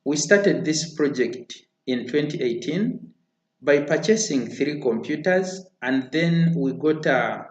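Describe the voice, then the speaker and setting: A man, giving an earnest prepared pitch as founder of a community charity, often hesitating with fillers. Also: slow pace. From Uganda. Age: 30s. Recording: roomy echo.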